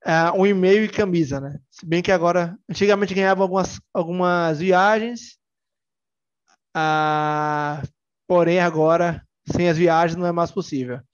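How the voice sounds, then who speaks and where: A man's voice: high-pitched, unhurried, clean tone, dull audio. A young man with a Bahian Brazilian accent, giving a casual, joking technical conference talk full of fillers and restarts. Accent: Bahian Brazilian Portuguese. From Salvador, Bahia, Brazil. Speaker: tech conference speaker.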